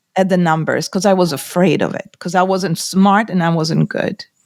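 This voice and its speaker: A woman talks with a non-native accent. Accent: foreign. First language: Hebrew. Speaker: salon owner and business consultant. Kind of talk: interview.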